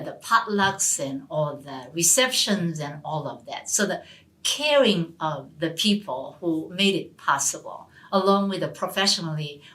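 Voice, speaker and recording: A middle-aged woman professor, an English speaker, telling stories in an interview, animated and often restarting her words. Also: deep voice, rough recording. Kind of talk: storytelling interview answers. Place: university hall.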